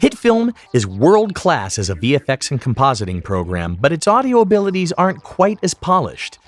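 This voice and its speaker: Man narrating a tutorial with lively intonation. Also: a little high, moderate pace. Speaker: tutorial presenter. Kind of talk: scripted instructional narration.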